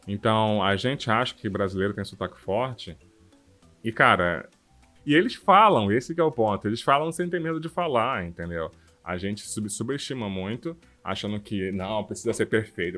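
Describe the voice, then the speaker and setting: Low-voiced Brazilian man, casual podcast talk. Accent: Brazilian Portuguese. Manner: informal, animated, frequent "cara" and "sabe". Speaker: podcast co-host. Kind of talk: casual chat. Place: works abroad.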